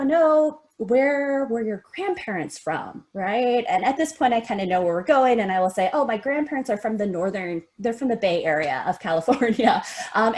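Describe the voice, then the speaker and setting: Earnest Midwestern woman speaker on a video call. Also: on the low side. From Midwest US, Indiana. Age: middle-aged. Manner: warm, earnest storytelling with frequent ums and gentle laughs. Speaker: guest speaker, associate professor. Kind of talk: personal talk in an online seminar.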